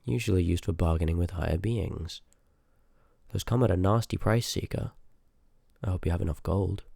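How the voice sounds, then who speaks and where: A very low-voiced, gravelly sorcerer, acted by a man, talks straight to the listener in a fantasy audio roleplay. He is rude and curious, full of sarcastic banter and muttered asides. The sound is close and very dry, with no room around it. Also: moderate pace, mellow, no room sound. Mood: teasing, sardonic. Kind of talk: ASMR audio roleplay acting, addressed to the listener.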